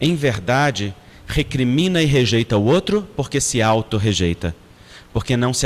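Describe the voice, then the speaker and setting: Lively intonation carries this fairly slow delivery, heard over noticeable background noise. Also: man. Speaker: spiritist lecturer. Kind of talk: lecture. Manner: deliberately slowed pace.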